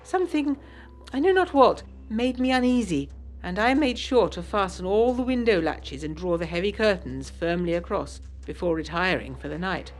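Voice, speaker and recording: A woman's voice: lowish voice, expressive, moderate pace, faint music behind, natural voice. A woman playing a genteel, proper yet adventurous 1920s Englishwoman, reading a letter in an audio drama with refined, formal, old-fashioned phrasing. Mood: uneasy.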